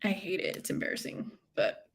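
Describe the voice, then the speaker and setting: An American woman hosting a live watch-along, chatting casually with viewers in an informal, effusive, slangy way. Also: fairly quick. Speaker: livestream watch-along host. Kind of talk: casual live chat with viewers and fight commentary.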